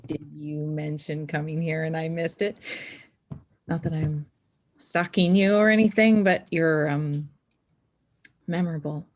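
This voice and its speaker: A woman playing an earnest teenage trans girl who teaches snowboarding, in a screenplay table read, with a husky, creaky voice. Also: low voice, fairly even intonation, a little slow, pauses often, dry recording, studio quality. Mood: flustered.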